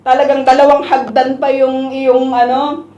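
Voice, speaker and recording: A woman's voice: high-pitched, level tone, moderate pace, warm tone, lo-fi sound. A woman preaching a conversational Bible study sermon to her congregation, often checking in with the group as she talks. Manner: chatty, asks the group "di ba?" and "no?" often. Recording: echoey room recording.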